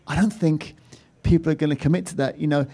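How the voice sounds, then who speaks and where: A man's voice: fairly high pitch, steady tone, fast, dark tone. A man, a film producer, answering questions at a panel with emphatic storytelling.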